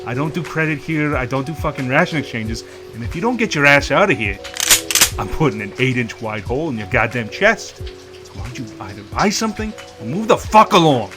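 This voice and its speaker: A man playing a gruff, foul-mouthed black-market implant dealer in a sci-fi audio drama, brash and hard-bargaining. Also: mid-range voice, animated, a little fast, music in the background, lightly acted. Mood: furious, threatening.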